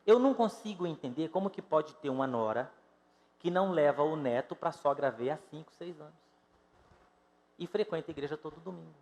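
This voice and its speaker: A fifty-something Brazilian pastor preaches with a slightly high-pitched voice, calling out to the congregation and then dropping to near-murmurs. His voice rings with the long reverb of a church hall. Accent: Brazilian Portuguese. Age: 50s. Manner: emphatic, rises and drops sharply in loudness, addresses congregation directly. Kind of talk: sermon. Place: church sanctuary.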